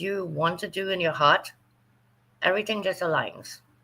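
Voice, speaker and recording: A woman with a Trinidadian accent and a bright, sharp tone. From Trinidad and Tobago. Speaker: interview host. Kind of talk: livestream interview intro. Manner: animated.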